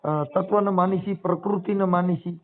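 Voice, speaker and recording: A man's voice: high voice, fairly even intonation, brisk. A man with a Saurashtra Gujarati accent explains his views emphatically on a phone call, asking rhetorical questions in colloquial speech. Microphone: telephone. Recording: muffled narrow-band phone call recording.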